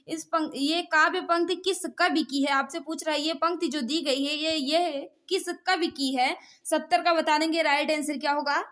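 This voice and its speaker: Female Indian teacher, high-pitched, for exam quiz lesson; instructional delivery that keeps prompting students to answer. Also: a bit bright. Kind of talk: live exam quiz lesson, reading questions and giving answers.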